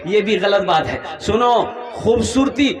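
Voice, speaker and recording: A man preaching a storytelling sermon to a gathering, animated and rising to shouts for emphasis. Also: high voice, unhurried. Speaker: Islamic preacher. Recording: echoey hall, mic far off.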